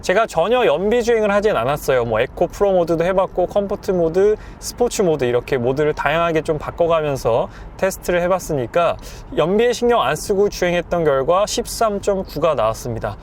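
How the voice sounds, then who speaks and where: Male car reviewer, fairly high voice, slightly hoarse throat, measured polite explanations, recorded inside a moving car with clear road noise. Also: very animated. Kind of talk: car review commentary while driving. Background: car driving noise.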